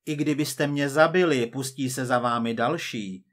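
A man voicing a cold, persistent male agent from the future, measured and quietly menacing. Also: mid-range voice, lightly acted.

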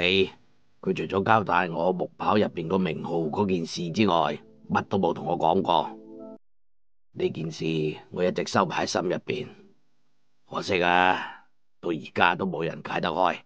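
A man's voice: low voice, steady tone, moderate pace, dull audio, lightly acted. An actor playing an elderly, patient master craftsman in a Cantonese audio drama, genial and avuncular but unbending. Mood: solemn, reminiscing. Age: older.

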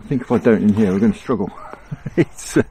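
A man's voice: lowish voice, a little fast. A middle-aged man giving a casual running commentary while fishing outdoors on a riverbank, chatty and chuckling often. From England. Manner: chatty, chuckles often, relaxed self-talk. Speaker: angling vlogger. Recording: outdoor ambience with faint noise.

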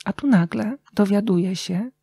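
A middle-aged woman talking casually and reflectively as a podcast guest, telling stories expressively with thoughtful pauses. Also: mid-range voice, vocal fry, mellow, breathy edge, no room sound. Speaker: interview guest, radio journalist and writer.

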